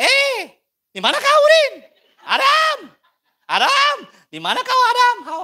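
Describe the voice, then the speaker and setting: In a put-on character voice with extremely high pitch, the speaker moves at a fairly slow pace with long, frequent pauses. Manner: loud, calling out, teasing.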